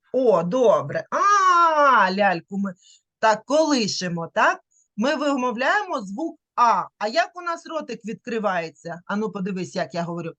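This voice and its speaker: A woman's voice: medium pitch, a bit bright. A woman giving an online literacy lesson to a young child over a video call. She draws out the vowel sounds to demonstrate them and coaxes the child along with patient questions. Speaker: teacher.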